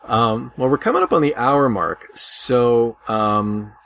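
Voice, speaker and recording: A man's voice: medium pitch, animated, slow, fairly bright tone. A man hosting a casual panel discussion, thinking aloud in a hesitant way. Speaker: podcast host. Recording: noisy lo-fi amateur podcast audio.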